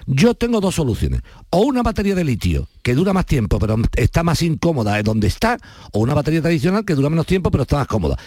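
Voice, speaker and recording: A man with an Andalusian accent hosting a live radio call-in show, insistent and lecturing, dropping low when he scolds. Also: wildly swooping pitch, fast, a little mellow, dry recording, clean studio sound. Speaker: radio host. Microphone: studio microphone.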